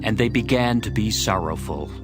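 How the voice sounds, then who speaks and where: Male narrator, scripture storytelling, lowish pitch, richly varied intonation, music underneath. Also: lively intonation, normal speed. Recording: music behind the voice. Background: background music.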